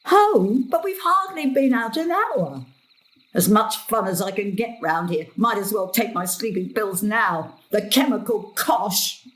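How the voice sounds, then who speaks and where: A woman's voice: medium pitch, unhurried, natural voice, low-quality recording. An actress playing a querulous, mischievous old grandmother, grumbling and theatrical, in an audio drama.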